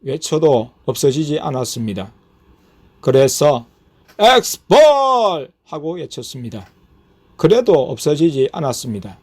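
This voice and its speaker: A man, a pastor, reading aloud a scripted testimony of his experiences at a steady, measured pace. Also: mid-range voice, slightly rough.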